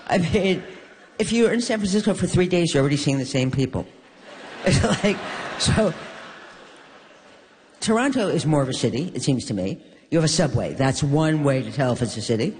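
An older woman from New York, a guest in an onstage conversation, telling stories with wry, deadpan humor. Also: sits low. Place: stage in a hall. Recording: long reverb of a large hall.

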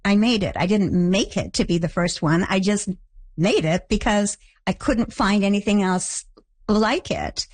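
An older woman from Canada giving reflective, halting interview answers about a show she created. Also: mid-range voice, no echo. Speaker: guest, creator of a teen drama.

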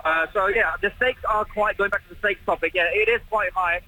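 A man with a British accent, a bar manager calling in to a radio interview from a crowded bar. He talks in a halting, excited way, with many restarts and repeated words. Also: high-pitched, rough recording. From Britain. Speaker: bar manager and phone-in guest. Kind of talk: live radio phone interview. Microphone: phone line. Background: crowd noise.

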